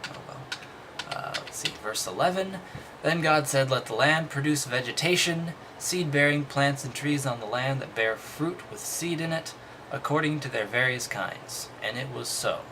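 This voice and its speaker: Reading a text out loud, a man breaks in with offhand commentary and dry, skeptical, dismissive asides. He speaks at a medium pitch and moderate pace, with noise in the background.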